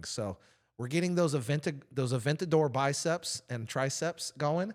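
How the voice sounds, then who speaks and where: Lively intonation and an animated tone come at a moderate pace on a very clean recording with a silent background. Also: man. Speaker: podcast host. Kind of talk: casual podcast interview. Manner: loud.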